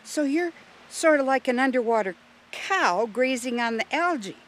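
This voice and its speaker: A man's voice: extremely high pitch, lively intonation, normal speed, fairly bright tone, a little hiss or hum, pitched above the performer's own voice. A man voicing a curious, earnest young girl in a children's storybook. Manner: earnest, inquisitive.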